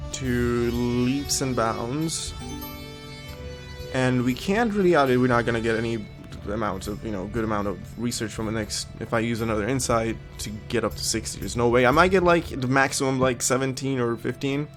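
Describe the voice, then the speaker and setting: A man's voice: medium pitch, moderate pace, music in the background. Sniffly man thinking aloud over a game. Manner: thinks aloud, reads game text, many ums. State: sniffly with a cold. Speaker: gaming video host. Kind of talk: casual let's-play commentary.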